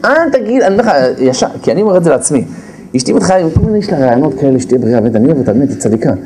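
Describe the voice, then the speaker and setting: In a low-quality recording with a little hiss or hum, a man whose voice is on the high side lectures humorously about marriage before a live audience heard in the background. Animated, he acts out spouses' lines in quick put-on voices and repeats key phrases for emphasis.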